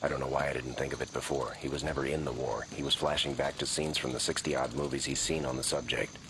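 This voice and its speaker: A man voicing a stoic cartoon pig detective with a deadpan, formal delivery and an Ozark twang. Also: rumbling low, fast talker, background noise. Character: stoic male pig detective, dry and wistful. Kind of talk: animated comedy acting. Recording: music behind the voice.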